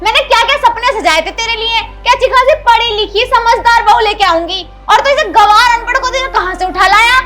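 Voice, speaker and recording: A woman's voice: very high-pitched, a little fast, hardly any pauses. A woman playing a harsh, scolding village mother-in-law. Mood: scornful. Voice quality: scolding, contemptuous. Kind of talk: rural Hindi film drama.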